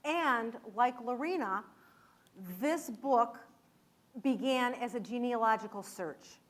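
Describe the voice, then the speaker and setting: A woman from Michigan speaks to an audience as an author, her voice sitting somewhat high. She tells a family story in a conversational way, correcting herself now and then. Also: slow. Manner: conversational storytelling, some restarts. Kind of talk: public talk.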